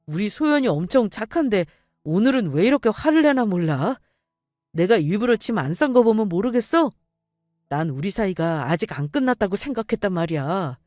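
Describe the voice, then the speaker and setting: A woman's voice: medium pitch, sing-song, moderate pace, darkish tone, dry recording, clean studio sound, faint music behind, lightly acted. A woman voicing a young boyfriend who whines and sulks. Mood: wheedling. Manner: whiny, sulking, complaining. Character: sulky young man, whining boyfriend.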